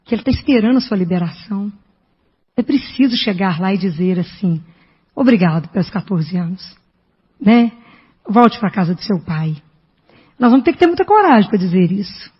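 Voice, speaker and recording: A woman's voice: medium pitch, animated, moderate pace, long pauses, breathy edge. A woman with a Brazilian Portuguese accent giving an emphatic preaching testimony as a lay Catholic preacher, often asking her listeners rhetorical questions. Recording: dull lo-fi recording with long hall reverb.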